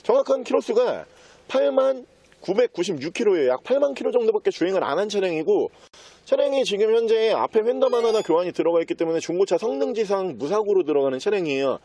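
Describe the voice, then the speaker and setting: Male used car dealer, high voice, slick practised sales patter, walkaround commentary. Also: very animated, quick pace, dark tone.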